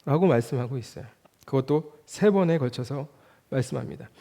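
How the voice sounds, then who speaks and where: A man in his thirties, a junior pastor, preaching a sermon in church and asking the congregation rhetorical questions as his loudness rises and falls. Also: medium pitch, animated, brisk, vocal fry.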